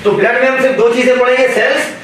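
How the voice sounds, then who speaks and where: A man teaching a biology class in a classroom. His voice sits high and he draws answers out of the students with constant questions. The sound comes from far off in a strongly echoing room with a faint hum of ambience. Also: fast talker, a bit bright. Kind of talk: classroom lecture.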